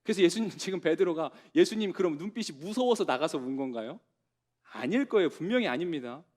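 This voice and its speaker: High-voiced Korean pastor preaching. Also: male voice, animated. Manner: storytelling with dramatic pauses, dropping to a soft voice for tender quoted words. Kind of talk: sermon to a young adult congregation.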